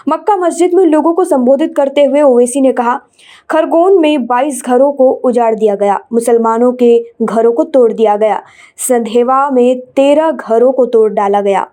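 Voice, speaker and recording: A woman's voice: on the high side, warm tone. A woman news presenter narrating scripted bulletins in a formal, read-out manner.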